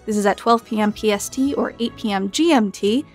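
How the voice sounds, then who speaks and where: A woman's voice: mid-range voice, brisk, faint music behind. A woman hosting a roundtable show, introducing and interviewing guests in a presenter's style. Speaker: host, associate producer and voice actor. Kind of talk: scripted podcast intro and interviewing.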